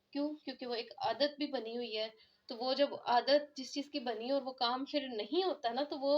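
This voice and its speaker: Woman religious lecturer, earnest and explanatory, fairly high voice, lo-fi recording. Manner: earnest, explanatory, frequent filler "jo hai na". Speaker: Islamic lecturer. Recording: dull lo-fi recording.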